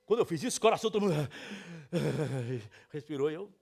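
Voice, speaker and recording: A male pastor preaching a sermon, telling stories with sudden swings between loud and soft, and speaking directly to the congregation. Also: high-pitched, racing.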